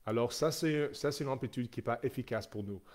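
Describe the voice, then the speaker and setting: A man's voice: medium pitch, fairly quick, a little mellow. A man, a strength coach giving a live Q&A presentation, hesitant, with many fillers and restarts. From Canada. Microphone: live stream.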